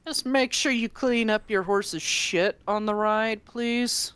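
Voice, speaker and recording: A woman voicing a blunt, gruff male dark elf dock official in a tabletop game, curt and dismissive. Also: on the high side, takes it slowly, no echo. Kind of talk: tabletop role-play.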